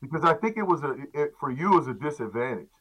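A man's voice: fairly high pitch, sing-song, quick pace, a bit bright. A man hosting a casual sports chat, teasing his guest with questions and repeating himself for emphasis. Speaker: talk show host interviewing a guest.

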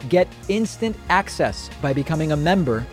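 A man from the northern United States hosting a political talk show, giving brisk, emphatic and sarcastic commentary into a studio microphone. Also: on the high side, expressive, soft background music.

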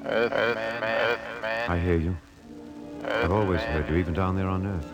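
Brooding killer spaceman, old radio drama, lowish voice, slow-burn and solemn. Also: steady tone, music in the background. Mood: resigned. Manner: measured, solemn, quietly intense. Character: brooding renegade spaceman turned cold-blooded killer. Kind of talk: 1950s radio drama acting.

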